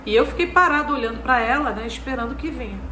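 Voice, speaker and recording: A high, bright woman's voice, lecturing on literacy in a chatty, expressive way. She keeps checking in with her listeners. The sound rings in an echoey room with a faint hiss behind it. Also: fast talker. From Brazil. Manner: expressive, chatty, constantly adds "né". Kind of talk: lecture mixed with classroom anecdotes.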